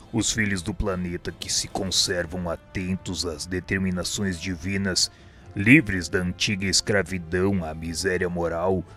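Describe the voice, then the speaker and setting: A man playing a deep, solemn spirit teacher. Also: a bit bright. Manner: solemn, measured, didactic. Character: wise, serene older male spirit instructor. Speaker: spiritual instructor character. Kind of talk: radio drama dialogue, solemn lecturing. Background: music.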